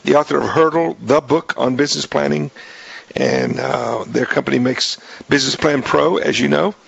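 A man hosting a radio talk show in a casual, joking way, his voice raspy, often restarting his sentences. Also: mid-range voice, moderate pace, a bit bright, no echo, highs cut off. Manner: jokey, rambling with many restarts.

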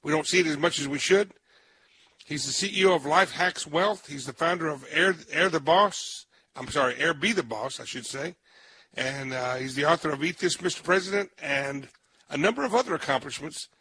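Bright-voiced male radio host. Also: on the high side, moderate pace, breathy edge. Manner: friendly, chatty, stumbles over names. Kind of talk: radio interview.

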